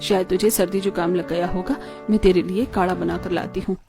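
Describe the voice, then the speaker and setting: A woman voicing a kind, caring middle-aged mother-in-law in an animated story, speaking in a calm, motherly tone. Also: lowish voice, fairly quick, music in the background, close to an everyday voice.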